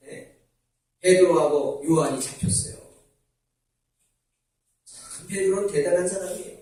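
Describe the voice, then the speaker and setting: A man's voice: high voice, a little mellow. A male pastor preaching a sermon, asking the congregation questions and answering them himself. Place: church sanctuary. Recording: very echoey church hall from far off.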